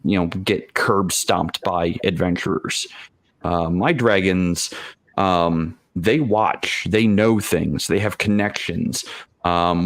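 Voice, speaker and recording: A man with a fairly low voice, recorded close and dry, chats casually on an online gaming panel. He speaks haltingly as he thinks aloud, with blunt, slangy turns of phrase. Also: dry recording. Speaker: game master on a tabletop role-playing panel. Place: remote online video call.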